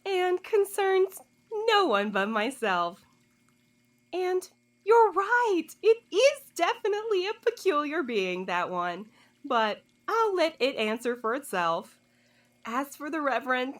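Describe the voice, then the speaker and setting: Audio drama role: sly, condescending woman played by an actress, high-voiced and very animated, toying with her questioners. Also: slow pace, full character voice. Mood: coy, condescending. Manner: teasing, condescending, theatrical drawl. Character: sly, smug woman informant, coolly taunting her interrogators.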